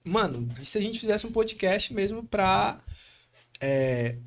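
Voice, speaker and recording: A man with a Brazilian accent from Espírito Santo, hosting a podcast in casual, animated chat full of slang fillers. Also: high-pitched, takes it slowly. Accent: Espírito Santo Brazilian Portuguese. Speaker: podcast host.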